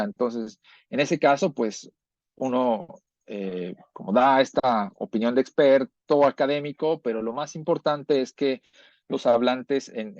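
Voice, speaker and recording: A man's voice: medium pitch, a little mellow, no room sound. A man giving an online language class, explaining patiently and often checking understanding with short tag questions. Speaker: language teacher. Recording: dull, lo-fi audio.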